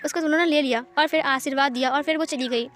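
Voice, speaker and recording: A woman reads a fan-fiction story aloud in plain, steady narration. Her voice sits high. Faint background music runs underneath. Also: fast.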